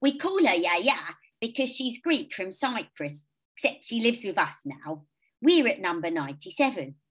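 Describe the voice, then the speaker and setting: A woman's voice: medium pitch, big pitch swings, normal speed, fairly bright tone, voice pushed up. A woman voicing an earnest child who explains things to grown-ups. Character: child narrator, older sibling.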